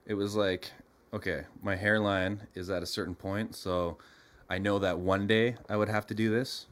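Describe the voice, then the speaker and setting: A man's voice: lowish voice, flat delivery, normal speed, a bit bright. A man in his thirties talking in a casual podcast chat, dry and matter-of-fact. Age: 30s.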